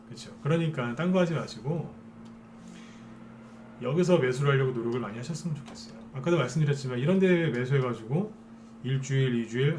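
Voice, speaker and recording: Male stock-show host, mid pitch, coaxing lecture style, faint hiss underneath. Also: darkish tone. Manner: persuasive, keeps asking listeners to agree. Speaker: stock market broadcaster. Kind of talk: live stock trading lecture.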